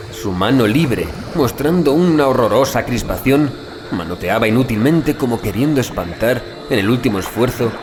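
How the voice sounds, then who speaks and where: Male horror audiobook narrator, lively intonation over music. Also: medium pitch. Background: background music.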